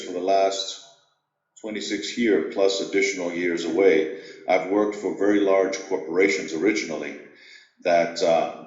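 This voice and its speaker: Deep-voiced man telling his story. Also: echoey room, highs cut off. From Greece. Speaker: executive coach. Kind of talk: interview storytelling.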